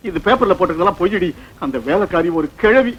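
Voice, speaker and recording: A man's voice: high voice, expressive, quick pace, fairly bright tone, a little hiss or hum. An actor playing a henpecked male politician who answers his wife defensively and in a fluster. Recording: dull old film soundtrack.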